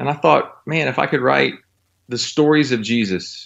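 A man talks at a moderate pace with vocal fry. His intonation is lively. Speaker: novelist and author. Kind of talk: radio interview. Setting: remote from his office.

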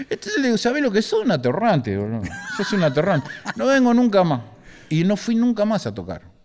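A man with a high-pitched voice talks at a very fast pace, his pitch swinging very widely over noticeable background noise. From Uruguay, Montevideo. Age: 60s. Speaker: bassist and singer. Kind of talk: casual chat. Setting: radio auditorium.

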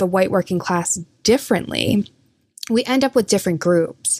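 In a very clean recording with a silent background and a dry, close sound with no echo, a woman speaks in a plain, everyday voice at medium pitch with ordinary pitch variation. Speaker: academic researcher. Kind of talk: interview about research.

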